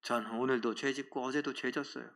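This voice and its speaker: A middle-aged man preaching a sermon in a church, emphatic and animated, swinging from loud appeals to quiet asides. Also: mid-range voice, a little fast, gravelly. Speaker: pastor. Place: church sanctuary.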